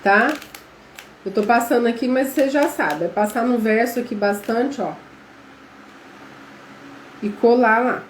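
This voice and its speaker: A fairly high-pitched woman speaks unhurriedly, leaving long pauses. She is Brazilian and teaches a live online class in a chatty way, with a Brazilian Portuguese accent, calling the audience "gente" and putting questions to them. Echo and faint background noise are audible.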